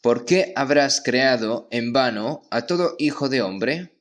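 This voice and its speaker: A man preaching a sermon as pastor in a church, in a measured delivery that keeps checking in with his listeners through short questioning tags. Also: medium pitch, animated.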